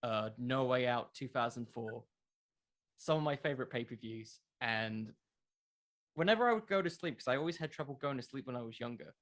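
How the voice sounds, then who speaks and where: A man's voice: medium pitch, expressive, fairly quick, fairly bright tone. A young man talking casually as an interview guest, explaining things earnestly in a rambling way. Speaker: interview guest, wrestling content creator.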